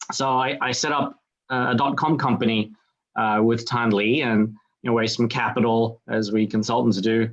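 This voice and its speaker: A man's medium-pitched voice at a moderate pace. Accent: Australian. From Australia. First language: not English. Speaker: digital marketer. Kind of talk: interview. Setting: livestream.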